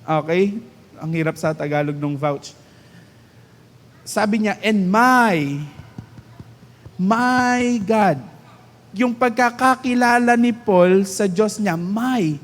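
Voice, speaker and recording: A Filipino man preaching a sermon as pastor, stretching out key phrases for emphasis. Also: high voice. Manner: mixes English and Tagalog, drawn-out emphatic phrases. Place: church hall. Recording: reverberant church hall.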